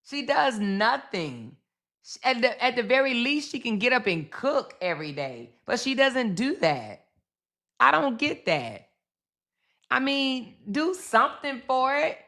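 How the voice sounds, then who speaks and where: A woman's voice: on the high side, big pitch swings, measured pace, fairly bright tone. A woman hosting a casual live-stream commentary, reading chat comments aloud and calling viewers baby and girl. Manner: chatty, calls viewers baby and girl, repeats phrases.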